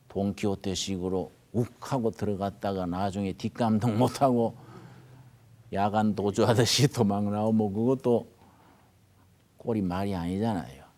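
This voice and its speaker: An older male pastor with a Gyeongsang Korean accent, telling stories in a folksy sermon, swinging from hushed asides to loud emphatic bursts. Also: on the low side. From North Gyeongsang, Korea. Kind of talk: storytelling sermon.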